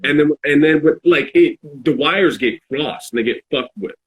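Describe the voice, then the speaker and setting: Reflective man talking haltingly on a podcast. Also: fairly high pitch, slight background noise, rough recording. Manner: halting, searching for words, self-reflective. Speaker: podcast speaker. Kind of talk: casual reflective podcast chat.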